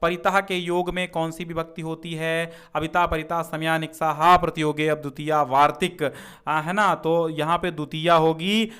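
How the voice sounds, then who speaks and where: A man's voice: a little high, flat delivery, moderate pace, few pauses, fairly bright tone, smooth. A man teaching an exam-prep lesson, walking through answers and often checking in with the class, at times chanting word forms in a sing-song. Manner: checks in often with "theek hai".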